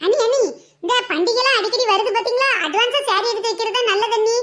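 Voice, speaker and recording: A woman's voice: very high voice, fast talker, a bit bright. A woman voicing a sly, eager young sister-in-law in a cartoon comedy who giggles as she wheedles. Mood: giggly.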